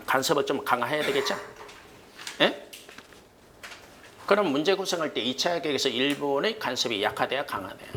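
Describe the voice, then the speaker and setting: A man teaching an exam-prep history class in a cram school lecture room. He keeps firing quick questions at the students, shouts punchy "eh?" checks and uses jokey memory tricks. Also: medium pitch, slight background noise.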